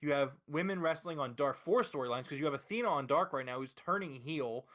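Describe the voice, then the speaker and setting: A man's voice: a little high, brisk, a bit bright. A man hosting a podcast, talking casually and emphatically about wrestling with strong opinions and frequent swearing. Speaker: podcast host.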